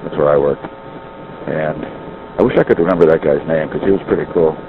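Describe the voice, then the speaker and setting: A man's voice: very deep voice, normal speed, phone-quality sound, noisy background. A middle-aged man talking over a payphone line from a city street, musing and rambling, often correcting himself. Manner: musing, digressive, self-correcting. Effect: heard over a payphone line. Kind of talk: rambling monologue on a phone line.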